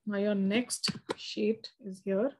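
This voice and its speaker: A woman's voice: mid-range voice, steady tone, slow, slight background noise. A woman with a South Asian accent tutoring a student in physics, explaining and often checking understanding with short tags. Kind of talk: one-to-one spoken lesson.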